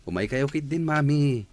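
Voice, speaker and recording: A young man with an Ilocano accent, playing a grateful son who just graduated, speaking softly to his mother in a radio drama. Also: on the high side. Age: young adult.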